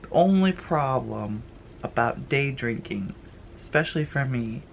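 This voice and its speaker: A man's voice: mid-range voice, vocal fry. A young man vlogging to the camera, stuffed up with a cold and talking in a sarcastic, rambling way. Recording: slightly muffled, faint noise behind.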